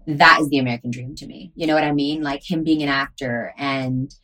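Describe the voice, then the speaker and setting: A woman's voice: rumbling low, fairly even intonation, brisk, a bit bright, rough recording. A woman hosting a casual chat, talking in an earnest, reflective way with many "like" fillers.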